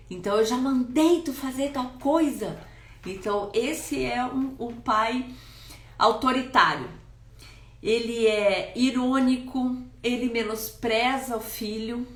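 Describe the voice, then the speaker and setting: A woman with a Brazilian Portuguese accent giving parenting advice to camera, speaking deliberately with pauses and restarts. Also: mid-range voice, fairly bright tone. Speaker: parenting coach. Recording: echoey room.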